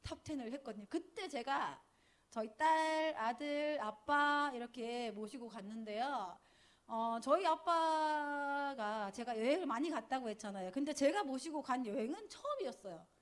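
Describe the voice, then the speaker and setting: A woman in her forties telling lively family stories in a business seminar, acting out what her relatives said. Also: high voice, moderate pace. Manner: lively storytelling, acts out quoted family voices. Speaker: network marketing speaker. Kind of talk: business seminar talk with slides. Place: seminar hall.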